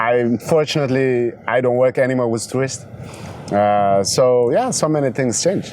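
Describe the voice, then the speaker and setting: Noticeable background noise runs behind a man speaking at a moderate pace, his medium pitch showing ordinary variation. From Ethiopia. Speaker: former tourist guide. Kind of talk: casual interview. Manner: halting.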